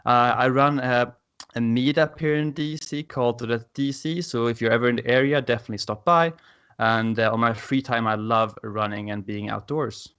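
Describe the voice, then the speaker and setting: A man's voice: mid-range voice, fairly even intonation, normal speed, a bit bright, smooth, dull audio. Upbeat Swedish-accented man presenting. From Sweden. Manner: enthusiastic, frequent "uh" fillers. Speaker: conference speaker. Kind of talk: technical presentation.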